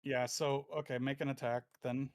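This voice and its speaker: Male game master, mid-pitched, casual and thinking aloud, dry close-mic sound. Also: level tone, normal speed, no room sound. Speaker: game master of a tabletop role-playing game. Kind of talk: casual game narration among friends.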